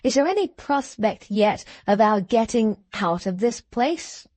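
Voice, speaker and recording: A woman voicing a brisk, blunt, loyal middle-aged Englishwoman servant in a storybook, emphatic and forthright. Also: a little high, expressive, darkish tone, dry recording. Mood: briskly stoic.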